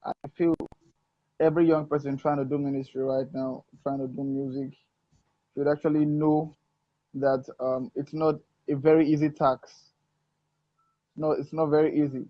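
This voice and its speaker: Earnest preacherly man, higher-pitched, muffled. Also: flat delivery, moderate pace, long pauses, no room sound. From Africa. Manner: earnest, preacherly, many "um"s and "you know"s. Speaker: gospel singer and guest. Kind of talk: casual interview chat. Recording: muffled dull sound, dry.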